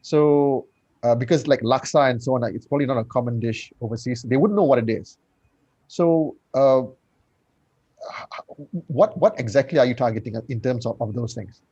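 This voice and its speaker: A man's voice: mid-range voice, normal speed, warm tone, slightly rough, no room sound. A man judging a competition, asking contestants probing questions over a video call. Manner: probing, conversational. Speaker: competition judge. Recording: dull dry lo-fi call audio.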